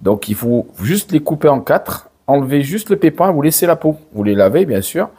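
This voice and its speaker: An older man, hoarse from a cold, chatting slowly to camera with many hesitations and restarts. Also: a little high, big pitch swings, warm tone. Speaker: father and channel host. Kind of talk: casual direct-to-camera chat.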